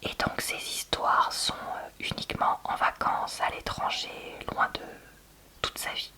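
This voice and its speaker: A woman whispering softly in a library whisper, chatting candidly in a conversational ASMR book-review style. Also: a little slow. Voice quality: soft, breathy unvoiced library whisper. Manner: hushed, conversational, candid opinions.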